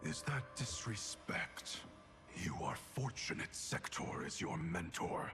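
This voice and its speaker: A put-on character voice speaks at a fairly slow pace. Clear background noise runs underneath. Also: man, very deep, low pitch for a man. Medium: video game. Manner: authoritative, cold.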